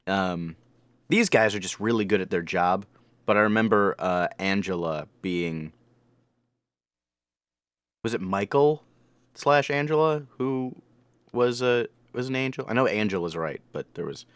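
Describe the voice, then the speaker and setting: A man with a low-pitched voice reacts to a show as its host. His commentary is casual and joking, wandering and halting as he goes, and the recording is dry and close. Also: animated, smooth, no room sound. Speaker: anime reviewer and reaction host.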